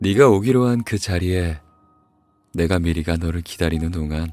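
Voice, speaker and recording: Music plays in the background as a man speaks in a calm, soothing tone. His very deep, low pitch has ordinary variation, and his pace is fairly slow. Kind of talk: audiobook reading for sleep. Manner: soft, calm, soothing.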